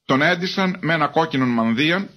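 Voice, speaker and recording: A man's voice: a little high, lively intonation, a bit bright. Man reading scripture aloud. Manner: measured, formal reading. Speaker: Bible reader.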